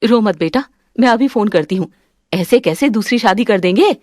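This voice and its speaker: A woman voicing a stern middle-aged mother-in-law who scolds in a lowered voice. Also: animated, normal speed, a little mellow, no room sound, studio quality, natural voice. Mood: worried. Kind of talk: Hindi family drama voice acting.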